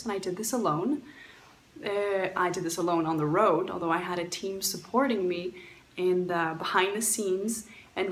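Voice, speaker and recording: A woman's voice: on the low side, reverberant, a little hiss or hum. A woman from Poland, raised in Canada, giving earnest travel advice with frequent fillers and restarts. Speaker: guest traveler sharing advice. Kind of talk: recorded talk answering questions.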